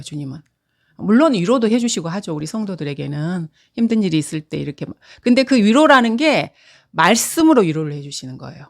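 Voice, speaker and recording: A middle-aged woman teaching a Bible lesson in an earnest, conversational way, with frequent fillers. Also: medium pitch.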